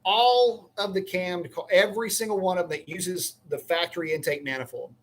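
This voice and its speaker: A middle-aged man hosts a loose live-stream chat. He rambles and restarts his sentences, with a folksy turn of phrase. His voice sits a touch higher than most men's. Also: moderate pace, a bit bright. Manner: rambling, self-correcting, folksy. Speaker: livestream host.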